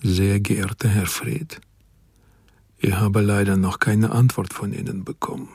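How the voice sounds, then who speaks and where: A formal letter-writer in a radio play. His low voice is raspy and gravelly, and he reads very slowly. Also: level tone, a little mellow, no room sound, studio quality, exaggerated voice. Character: formal male letter-writer delivering bad news. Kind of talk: radio drama letter reading.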